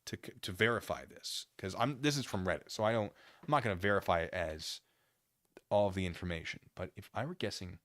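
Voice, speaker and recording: A man hosting a live stream, reading documents aloud and commenting casually with conversational, animated asides. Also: sits low, brisk. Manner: conversational, animated asides, acts out imagined dialogue.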